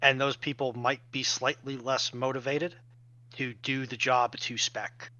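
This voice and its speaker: Male panelist, mid-pitched, tense bright voice, emphatic explainer, lo-fi sound. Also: level tone, a little slow. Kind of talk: informal expert discussion. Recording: dull, band-limited audio.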